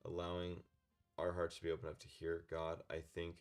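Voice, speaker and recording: A man's voice: low-pitched, completely flat delivery, a little fast, clear, resonant tone. A man co-hosting a casual podcast, talking about faith and dreams in a rambling way, often restarting mid-word. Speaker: podcast co-host.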